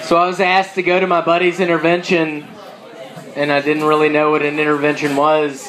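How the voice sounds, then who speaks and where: Crowd noise fills the background. A man speaks at a moderate pace. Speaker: stand-up comedian. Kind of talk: stand-up comedy set. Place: cafe.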